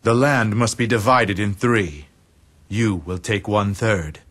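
A calm, wise strategist speaks slowly and deliberately in a slightly low, breathy voice. His delivery is measured and unhurried. It is a video game cutscene voice.

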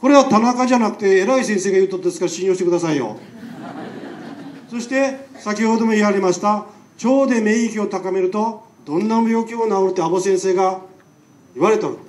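A man with a Nagasaki accent lectures in a high voice, talking in a chatty way and throwing questions at his listeners. He is picked up from a distance in an echoing hall. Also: fairly quick, a little mellow, a little hiss or hum. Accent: Nagasaki dialect. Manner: chatty, rhetorical questions to the audience. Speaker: lecturing doctor. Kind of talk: public lecture. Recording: echoey hall, mic far off.

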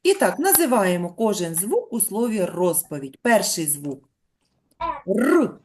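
A middle-aged woman teaching young schoolchildren, her pitch rising and falling lively as she explains. She stretches words out patiently and speaks clearly. She sounds like a teacher in a classroom. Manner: patient, drawn-out dictation to young children. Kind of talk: classroom lesson.

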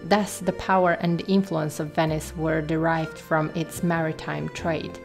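A woman's voice: sits low, level tone, measured pace, gravelly, music in the background. A woman vlogger narrating her trip in an enthusiastic, admiring way, with some "um" fillers. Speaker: travel and beauty vlogger. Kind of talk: travel vlog voice-over narration.

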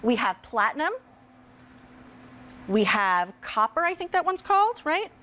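A middle-aged woman hosting live infomercial-style shopping television, chatty and self-deprecating as she pitches and demonstrates. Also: very animated, a little slow, pushed and bright. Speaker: shopping channel host. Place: TV studio kitchen set.

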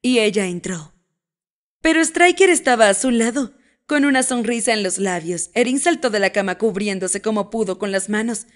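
A woman narrating a romance audiobook with an expressive reading. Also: mid-range voice, normal speed. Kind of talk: scripted narration.

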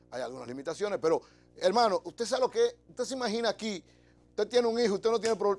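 A middle-aged Dominican man hosts a TV show from a studio, his high-pitched, slightly mellow voice carrying an emphatic, conversational monologue to camera. He speaks with a Dominican accent and wears a lapel mic.

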